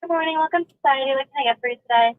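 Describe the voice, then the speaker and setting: Drive-thru worker, woman, heard over the speaker box: rapid-fire, slightly high, tinny and dry. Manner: brisk scripted order-taking.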